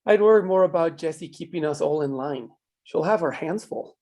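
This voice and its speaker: A man reading the part of a proud, reserved gentleman in a screenplay table read, with a husky voice. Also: fairly high pitch, measured pace, lightly acted. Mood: warm, wry.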